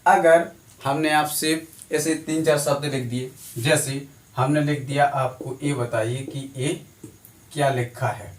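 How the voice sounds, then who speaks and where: A man's voice: a little high, flat delivery, measured pace. A male teacher giving a classroom lecture, drilling students with repetitive question-and-answer. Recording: echoey room from a distance.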